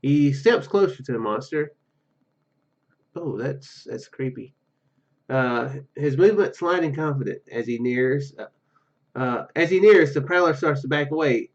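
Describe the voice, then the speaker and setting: A man's voice: mid-range voice, unhurried, muffled recording. A man hosting a let's play, reading story narration aloud with stumbles and casual asides. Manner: stumbles over words while reading. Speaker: gaming video host.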